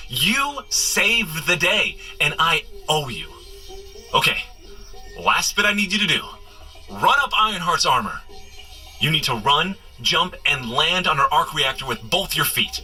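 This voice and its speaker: An actor playing an excitable, joking superhero in a comedy audio adventure, speaking in an animated, exclaiming way. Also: male voice, a little high, exaggerated voice.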